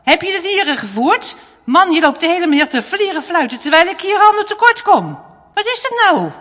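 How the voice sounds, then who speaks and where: A woman's voice: fairly high pitch, little pitch movement, very slow, a bit bright. A woman voicing a grumbling, overworked innkeeper father in a storybook reading, scolding his son. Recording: long hall reverb.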